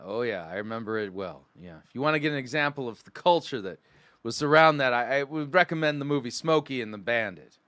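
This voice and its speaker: A man's voice: mid-range voice, lively intonation, fast, fairly bright tone, no room sound. A middle-aged man giving mocking, sarcastic commentary as a critic, often acting out mock quotes. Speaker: host of a sermon critique show. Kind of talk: mocking commentary on played sermon clips.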